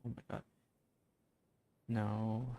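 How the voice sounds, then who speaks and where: A man doing casual livestream gameplay commentary, halting as he thinks aloud. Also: fairly low pitch, level tone, mellow, slight background noise. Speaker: game streamer. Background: game music.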